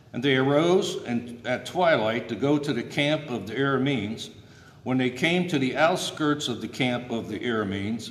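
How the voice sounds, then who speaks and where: With audible room echo around him, a man talks at a fairly slow pace with ordinary pitch variation. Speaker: preacher. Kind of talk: sermon scripture reading. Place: church. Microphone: phone near.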